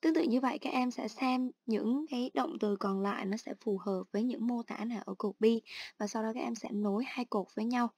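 A woman teacher calmly explaining an online English exercise step by step. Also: a little high, brisk, no echo. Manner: steady instructional, explains each step. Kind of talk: online lesson narration.

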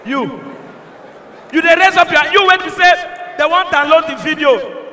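A young man with a Nigerian accent performing an animated stand-up set on a handheld mic, shouting punchlines in Pidgin. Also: very high voice, moderate pace, slight background noise. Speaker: stand-up comedian. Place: large concert hall stage. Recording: echoey hall, crowd faintly behind.

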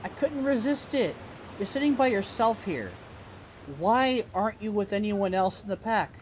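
A man's voice: high-pitched, expressive, normal speed, slight background noise. A man playing a teasing, upbeat werewolf friend in his twenties in an audio drama.

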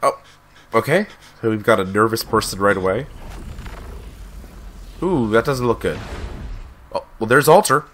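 A man's voice: on the low side, animated, measured pace, pauses often, fairly bright tone, a little hiss or hum. Chatty young man getting over a cold. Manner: chatty, enthusiastic, uses lots of fillers. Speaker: YouTube reaction host. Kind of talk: casual reaction commentary. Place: small home studio room. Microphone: gaming headset.

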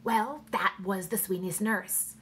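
Woman acting high, excitable curious wife. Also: measured pace. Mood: agitated, hushed. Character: excitable young wife, curious and anxious eavesdropper. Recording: clear background noise.

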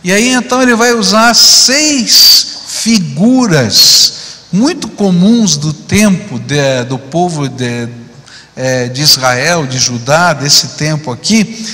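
With a bright, forceful voice on the high side, a middle-aged male pastor gives a conversational sermon into a handheld mic. He often throws in tag questions, and the large church auditorium stage adds a long hall reverb.

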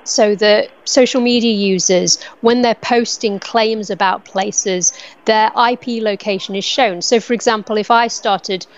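A woman from the UK, a media analyst, explaining a story clearly in a news interview. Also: medium pitch, fairly even intonation, unhurried, muffled recording.

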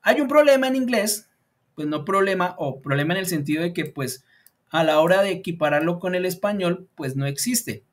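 Man teaching a slow, patient online lesson. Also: sits high, lively intonation. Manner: thinks aloud while editing slides, many fillers like "pues" and "entonces"; slows down to model example sentences. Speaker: English teacher. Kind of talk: online beginner lesson explained in Spanish.

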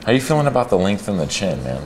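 A man's voice: on the low side, very animated, rapid-fire. An American man working as a barber and host, chatting casually in a laid-back, slangy way. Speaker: barber hosting a barbershop video. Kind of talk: casual chat while cutting hair. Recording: clear shop noise with buzzing electric clippers. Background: electric shaver buzz.

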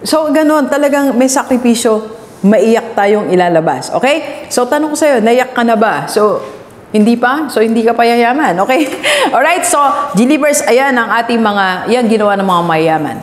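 A woman's voice: fairly high pitch, expressive, moderate pace, reverberant, big-room sound. A woman with a Filipino accent, a business coach giving a motivational vlog talk and challenging the listener with repeated rhetorical questions. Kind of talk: motivational vlog talk in mixed Tagalog and English.

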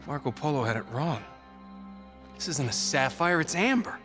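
A man acts out a rugged American video game hero in his thirties. He sounds earnest and urgent, pitched a little high for a man, with prominent score music underneath. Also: lively intonation, moderate pace, close to an everyday voice. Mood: puzzled, realising. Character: rugged, earnest young male adventurer, urgent and determined. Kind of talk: video game cutscene acting.

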